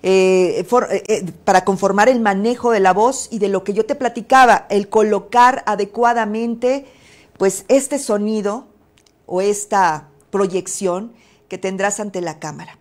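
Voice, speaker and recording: A woman's voice: mid-range voice, measured pace. A woman with a Mexican Spanish accent giving a webinar lesson as a voice coach, speaking in a didactic, emphatic way with rhetorical questions and fillers. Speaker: presenter and voice coach.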